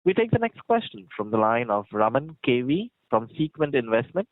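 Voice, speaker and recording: A man's voice: medium pitch, big pitch swings, normal speed, no room sound. A man working as conference call operator, formally announcing callers in scripted phrases. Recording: dry narrow phone line.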